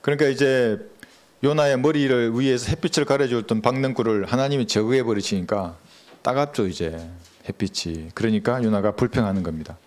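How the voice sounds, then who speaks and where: A man preaching a sermon as pastor, speaking in a measured, earnest way and asking the congregation questions. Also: mid-range voice, a little mellow.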